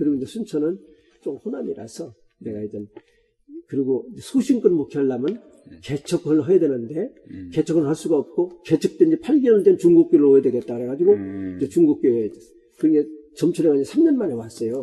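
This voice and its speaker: The man's voice sits fairly high and moves at a fairly quick pace. His pitch swings very widely and his loudness rises and falls sharply. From South Korea, Chungcheong (Nonsan, Ganggyeong). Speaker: retired pastor and church writer-editor. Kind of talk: interview.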